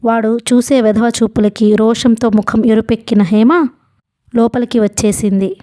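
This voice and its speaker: A woman narrating a novel as an audiobook in a steady, even storytelling manner. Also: fairly high pitch, normal speed.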